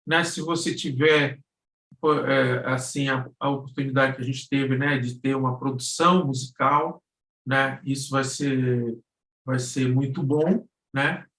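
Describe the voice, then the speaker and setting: A man's voice: mid-range voice, unhurried, fairly bright tone. A man explaining things informally in a live lesson, often checking in with short tag questions. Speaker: guest instructor. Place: indoor room on an online live stream. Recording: roomy, echoing live-stream audio.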